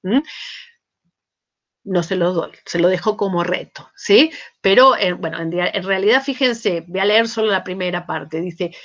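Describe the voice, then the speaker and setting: Her voice is lowish and a bit bright, with a moderate pace. She is a woman lecturing at a university, repeatedly asking "¿eh?" and "¿sí?" to check in with her students and restarting sentences many times, and the lecture audio is slightly muffled.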